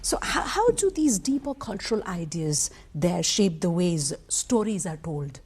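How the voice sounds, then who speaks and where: A woman hosts the interview in a somewhat low, husky voice. She frames long questions in a measured, articulate way. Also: very animated, a little mellow. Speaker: interviewer host.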